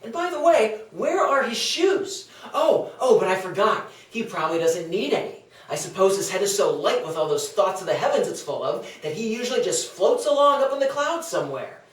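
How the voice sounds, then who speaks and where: Man acting a high-pitched, sneering sarcastic skeptic. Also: big pitch swings, normal speed, hardly any pauses. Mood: scornful, sarcastic. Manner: mocking, sarcastic, theatrical. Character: sneering, sarcastic male Athenian skeptic, brash and scornful. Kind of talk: comedic script table read. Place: small indoor meeting room. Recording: roomy, distant meeting-room pickup.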